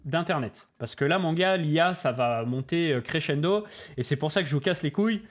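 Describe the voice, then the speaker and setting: A man's voice: fairly high pitch, lively intonation, a little fast. A man hosting a livestream, talking casually, bluntly and animatedly, with lots of slang and swearing. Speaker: crypto channel host.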